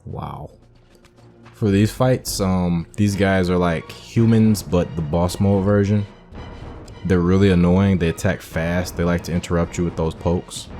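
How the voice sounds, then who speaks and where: A young adult man hosting a gaming channel, giving relaxed, explanatory gameplay commentary. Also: low-pitched, unhurried, soft background music. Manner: relaxed, explanatory, uses fillers.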